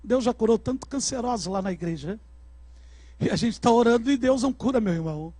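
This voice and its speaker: A Brazilian male pastor with a strikingly high voice tells a story from the pulpit. His delivery is dramatic and swells into shouts at the peaks. The sound is close and dry, with almost no room echo. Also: lively intonation, brisk. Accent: Brazilian Portuguese. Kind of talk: sermon testimony. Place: church service.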